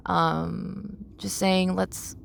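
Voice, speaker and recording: A young adult woman talking through personal reflections as a podcast host, halting and searching for words as she repeats phrases. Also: fairly low pitch, little pitch movement, gravelly, a little hiss or hum.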